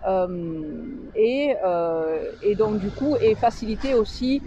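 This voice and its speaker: A woman organizing a local public meeting, speaking hesitantly in an interview with many filler pauses. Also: medium pitch, expressive, muffled recording, a crowd in the background. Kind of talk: radio interview.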